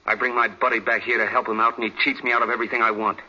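A dull vintage radio recording of a resentful young American man. His voice is very sharp and forceful with a husky edge, bitter and boastful. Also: medium pitch, flat delivery, racing. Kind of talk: 1940s radio drama acting.

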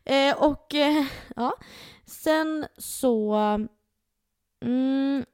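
A young woman co-hosting a casual podcast chat, telling stories with plenty of swearing and lively retellings. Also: high voice, no room sound, clean studio sound. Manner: storytelling, swearing, animated retellings. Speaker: podcast co-host.

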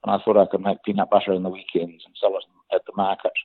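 A man in his sixties with a New Zealand accent, telling his life story as an interview guest in a plain, unhurried way. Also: low voice, completely flat delivery, no room sound. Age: 60s. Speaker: interview guest, business founder. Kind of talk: conversational interview. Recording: dry, phone-like remote line.

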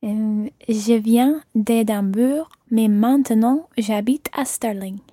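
A woman's voice: fairly high pitch, fairly even intonation, warm tone, no echo, studio quality. A woman taking part in a podcast language lesson as the learner, repeating phrases carefully. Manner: careful, measured repetition.

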